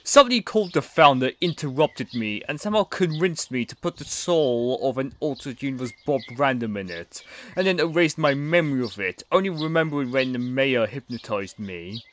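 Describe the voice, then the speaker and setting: A man's voice: medium pitch, animated, brisk, a bit bright, slight background noise, lightly acted. A man playing a remorseful comedian in a frog puppet. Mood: earnest. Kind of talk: hobby audio play acting.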